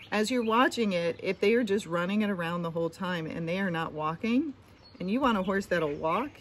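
A woman's voice: on the low side, a little hiss or hum. Woman trainer giving practical advice outdoors. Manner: practical, advising, repeats points. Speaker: horse trainer. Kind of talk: instructional talk to camera. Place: outdoor deck among trees. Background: birdsong and outdoor ambience.

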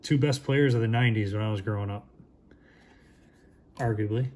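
A man in his thirties giving casual, low-key commentary while opening packs at a shop counter, naming each player as it comes up. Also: moderate pace, darkish tone.

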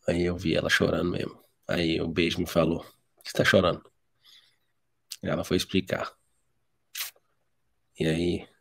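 Deep gravelly Brazilian preacher. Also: male voice. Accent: Brazilian Portuguese. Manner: storytelling, blunt and direct. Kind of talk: live devotional sermon.

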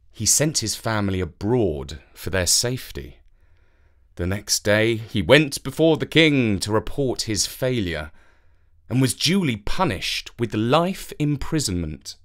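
Expressive, slow-paced fairytale storyteller. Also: mid-range voice. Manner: expressive, carefully phrased. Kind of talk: scripted fairytale narration for children.

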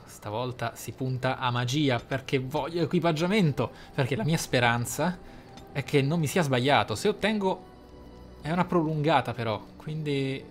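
A man giving casual, excitable playthrough commentary, often thinking aloud. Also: on the high side. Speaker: gaming channel host. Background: game music.

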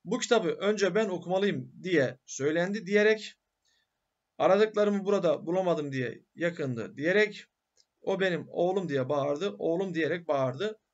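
A man's voice: sits high, expressive, measured pace, highs cut off. A male teacher giving a grammar lecture who asks questions and answers them himself.

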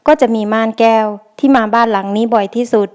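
Brief: female audiobook narrator, steady storytelling, clean smooth voice, slightly high. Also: fast talker. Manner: steady storytelling, reading a male first-person narrator.

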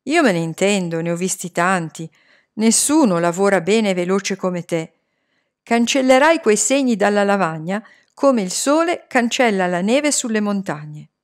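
A woman voicing a confident boy who speaks calmly and knowingly. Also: mid-range voice, measured pace, close to an everyday voice. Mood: reassuring.

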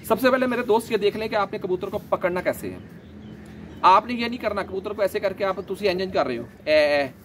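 A man, gently explaining his pigeon keeping in a casual vlog, a little hoarse from a sore throat. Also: high-pitched, slight background noise. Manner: chatty, gentle, explains while handling birds. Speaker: pigeon keeper vlogger. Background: pigeons cooing.

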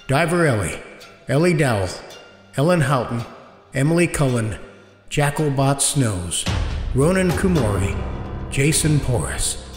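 A man presenting a podcast, reading scripted credits and announcements to listeners. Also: mid-range voice. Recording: echoey, reverberant, soft music underneath.

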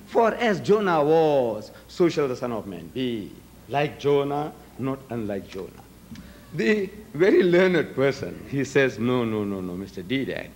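An older man whose first language is Gujarati, arguing emphatically at a podium in a large hall, firing rhetorical questions at the audience. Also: on the high side. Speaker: debater. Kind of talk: public debate speech. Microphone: podium microphones.

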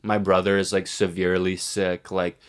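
A man's voice: low voice, level tone, normal speed, clean tone. A man in his twenties from Texas, co-hosting a podcast in casual, opinionated, slangy chat. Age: 20s. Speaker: podcast co-host. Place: small room, indoors. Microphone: podcast microphone on boom arm.

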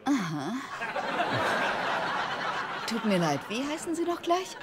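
Lively, bossy sitcom girlfriend. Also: on the high side, slow pace, very noisy. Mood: mock sweet. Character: sharp-tongued, bossy, suspicious girlfriend in a sitcom. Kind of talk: German-dubbed sitcom acting.

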